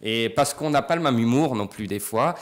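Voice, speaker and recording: A man's voice: medium pitch, animated, moderate pace. Chatty man with Breton-Caribbean accent. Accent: mix of Breton and French Caribbean. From Brittany, France. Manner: chatty, many fillers and restarts. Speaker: comedian and actor. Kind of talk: casual interview.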